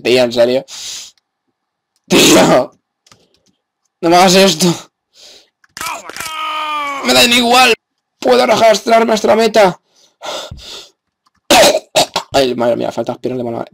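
A young man with a Spain Spanish accent giving gameplay commentary, sarcastic and exasperated, with frequent cursing. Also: a little high. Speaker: gamer.

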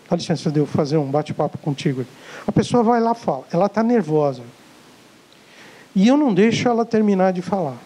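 A man with a Brazilian Portuguese accent coaches an audience in a live lecture. His voice sits high and mellow. He hammers points home by repeating words and acting out little exchanges. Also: rough recording. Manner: emphatic, repeats key words, acts out dialogues. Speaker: sales coach giving a lecture.

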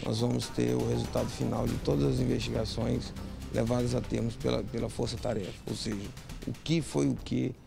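A man with a Brazilian accent giving an official interview answer, flat and formal, with hesitant fillers. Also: mid-range voice, brisk, vocal fry. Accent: Brazilian Portuguese. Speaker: security official. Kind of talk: interview soundbite. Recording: TV interview clip with music bed.

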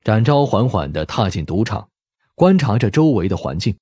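语调生动、略带沙哑的男性说书人. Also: male voice, fairly low pitch, very animated, moderate pace, warm tone, slightly rough, no room sound, studio quality. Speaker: audiobook narrator. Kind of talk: expressive scripted story narration.

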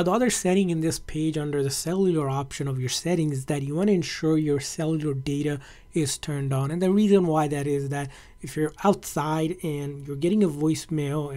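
A man's voice: fairly high pitch, dark tone. A man narrating a casual step-by-step tutorial in a conversational, instructional way as a tech presenter.

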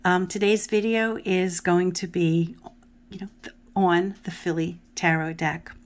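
A woman's voice: fairly low pitch, fairly even intonation, a little slow. A middle-aged woman with a Philadelphia accent, chatting at home in a rambling way as she shows tarot cards, sometimes trailing off into a murmur. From Philadelphia area. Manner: chatty, rambling, often drops to a murmur while looking at cards. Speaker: tarot video host. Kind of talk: casual deck walkthrough. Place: home table. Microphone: camera above the hands, speaker off frame.

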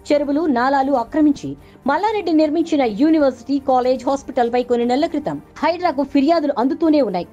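Female news voice-over, rapid delivery, slightly dull lo-fi sound. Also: sits high, mellow. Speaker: news narrator. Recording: dull lo-fi audio under music. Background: background music bed.

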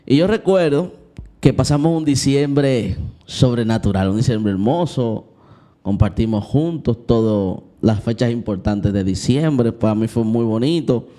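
A man's voice: mid-range voice, expressive, unhurried, mellow. A young man tells a personal story in a vlog. He speaks candidly and confessionally, talking straight to his viewers and acting out the moments he describes. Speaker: Christian vlogger.

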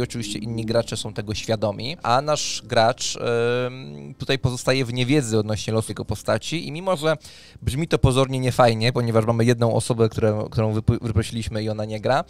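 A man, co-hosting a discussion of tabletop role-playing ideas, often searching for words. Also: medium pitch. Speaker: podcast co-host, game master. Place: small dim home studio. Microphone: close studio mic on arm, headphones. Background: faint music.

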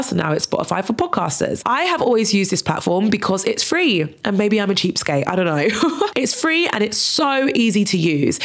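A woman's voice: fairly low pitch, creaky. A young woman with a stuffy cold nose, chatting upbeat through a tutorial to camera at home on a studio mic. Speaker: content creator. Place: home living room. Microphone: studio mic on arm in front.

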